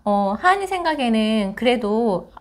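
A woman in her forties leads a casual, conversational interview. Her voice sits a little on the high side and her intonation is very lively. She is miked on a lapel in a small indoor space. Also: unhurried. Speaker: interviewer, mother.

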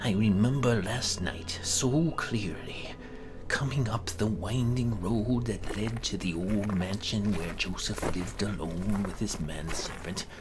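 Slow, dramatic male horror narrator. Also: on the low side, over music, poor audio. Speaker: narrator, amateur voice actor.

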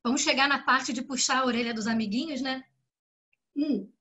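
A woman speech therapist with a Brazilian Portuguese accent gives a lively, chatty lecture and often asks rhetorical questions. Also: high voice, moderate pace. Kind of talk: symposium lecture.

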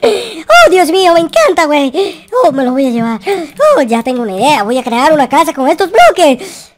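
A man's voice: extremely high pitch, sing-song, moderate pace. A man with a Latin American accent voicing a naive, mischievous young noob boy in an improvised game roleplay, exclamatory and playful. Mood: amazed. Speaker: gaming video host.

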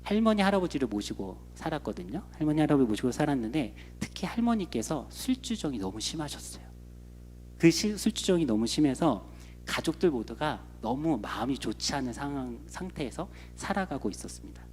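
Impassioned pastor with lively pitch. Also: male voice, fairly quick, a little hiss or hum. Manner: earnest storytelling, rising to impassioned pleading. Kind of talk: sermon. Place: church sanctuary. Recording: long church reverb with soft instruments behind.

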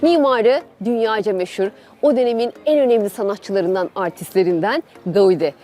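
A woman's voice: mid-range voice, moderate pace, dark tone, faint music behind. A woman hosting a travel show, guiding viewers through an outdoor park in an enthusiastic, chatty way. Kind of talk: travel show presenting, part narration.

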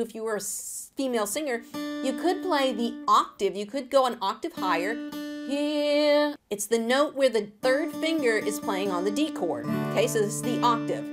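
Upbeat alto woman teaching guitar. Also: on the high side. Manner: upbeat, encouraging, talks straight to camera. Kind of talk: guitar lesson, talking and singing along. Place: home studio room, indoors. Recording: acoustic guitar playing under the voice.

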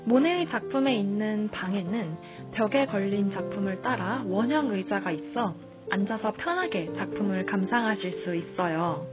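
A woman's voice: medium pitch, lively intonation, moderate pace, hardly any pauses, dull audio. A young woman narrating a walking tour, speaking cheerfully and directly to her viewers. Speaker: tour guide. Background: music.

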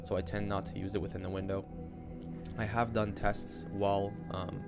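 A man's voice: fairly low pitch, little pitch movement, normal speed, vocal fry, over loud music. A man with a cold, sounding a bit nasal, casually explaining a game tactic with lots of filler ums. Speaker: game guide streamer. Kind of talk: casual gameplay tutorial.

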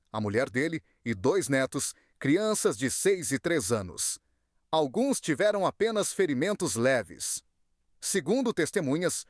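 A man's voice: a little high, dry recording, clean studio sound. A Brazilian man reading a scripted news report as a voice-over reporter.

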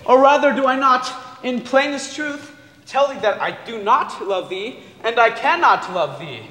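Seeking young male actor as dramatic young nobleman: declamatory, very high, bright, Shakespeare in echoing hall. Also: animated, normal speed, heavily acted. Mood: scornful. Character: disdainful, dramatic young nobleman in love tangle. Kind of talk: staged Shakespeare reading. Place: stage in large auditorium. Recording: echoey hall, faint noise.

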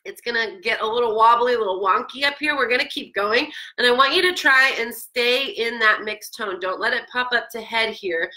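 A woman voice teacher leading a vocal warmup lesson, singing meows that climb higher and coaching in a chatty, encouraging way. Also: brisk, few pauses, rough recording. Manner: demonstrates sung meows sliding ever higher.

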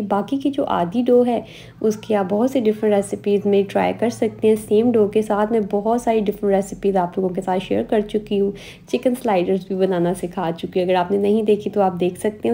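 A woman, calmly guiding viewers step by step through a recipe as a cooking host in voice-over. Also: mid-range voice, creaky. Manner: calm step-by-step instructions.

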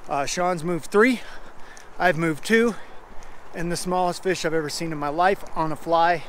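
A man in his thirties hosting a fishing vlog outdoors by a mountain river, talking excitedly and saying "dude" a lot. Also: fairly high pitch, moderate pace. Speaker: fly fishing show host. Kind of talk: casual outdoor vlog narration. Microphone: body-worn action camera. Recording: faint wind and river noise.

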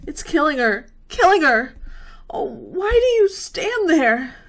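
A woman playing a hysterical young college girl in a radio horror drama, gasping out halting, repeated pleas for help. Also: sits high, very animated, a bit bright, heavily acted. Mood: hysterical pleading. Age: young adult. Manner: frantic, gasping, halting and repetitive. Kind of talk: amateur radio horror acting. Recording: noisy home-recorded radio drama.

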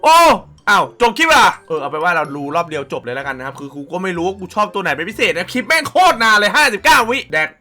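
A man hosting a casual reaction video, excitable and full of exclamations and swearing. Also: high-pitched, quick pace, hardly any pauses. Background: background music.

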